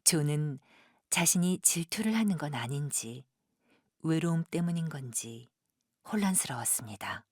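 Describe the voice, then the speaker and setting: Low, husky woman narrator. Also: expressive, normal speed, dry recording, clean studio sound. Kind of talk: scripted audio drama narration.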